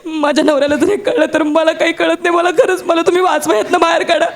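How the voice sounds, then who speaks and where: A woman's voice: high voice, brisk. An actress playing a tearful young married woman phoning in and pleading for help. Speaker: phone-in caller.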